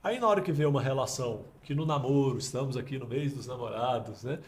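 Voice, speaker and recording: A Brazilian man hosting a casual podcast, explaining with emphatic metaphors in an animated way. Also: medium pitch, quick pace. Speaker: podcast host.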